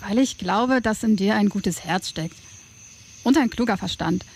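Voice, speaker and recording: A woman's voice: mid-range voice, a little slow, creaky, darkish tone, husky. A woman playing a bold, caring and defiant tribal woman in an audio drama, speaking directly. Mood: impassioned, reproachful. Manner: direct, teasing, impassioned.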